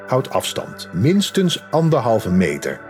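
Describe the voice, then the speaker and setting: A man's voice: medium pitch, wildly swooping pitch, unhurried, soft background music, voice pushed up. A man voicing a rude, impatient little man who guards a lake and spits when he talks, in a storybook tale. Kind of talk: storybook character voice.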